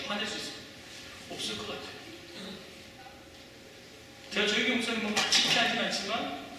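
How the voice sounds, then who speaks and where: A man in his forties preaching in a high, sharp voice that leaps up and down as he fires questions at the congregation. He is heard from a distance in a big echoey hall, with a long reverb tail and a faint hiss behind him. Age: 40s. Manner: conversational, quizzing the congregation with questions. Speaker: pastor. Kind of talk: sermon. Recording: echoey hall, voice from far off the mic.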